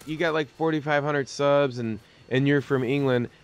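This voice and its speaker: A man's voice: medium pitch, fairly even intonation, normal speed, clear, resonant tone. A man hosting a gaming video in a casual, rambling interview style, using a lot of slang. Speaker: host of a gaming video series. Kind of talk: casual interview over game commentary.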